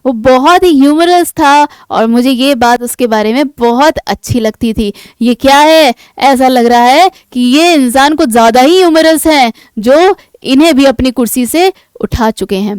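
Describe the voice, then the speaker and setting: Indian woman teacher, high and crisp voice, reads English definitions slowly, lecture style. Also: a little mellow, no room sound. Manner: asks questions then answers them herself. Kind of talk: classroom lecture.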